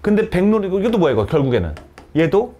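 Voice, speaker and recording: A man lecturing a class of students in a classroom. His voice sits a little high and rises and falls a great deal. He keeps asking questions of the students and answering them himself. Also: very animated, fast, dark tone, lo-fi sound, a little hiss or hum. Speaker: Korean literature teacher. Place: cram school classroom with students present.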